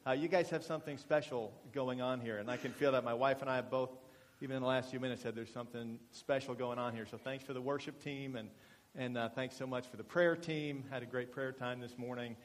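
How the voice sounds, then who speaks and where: A man's voice: medium pitch, steady tone, brisk. Chatty man in his forties, echoing hall. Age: 40s. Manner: chatty and self-deprecating, with frequent fillers and restarts. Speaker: guest speaker at a church. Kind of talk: testimony talk to a congregation. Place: church meeting hall. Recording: reverberant church hall.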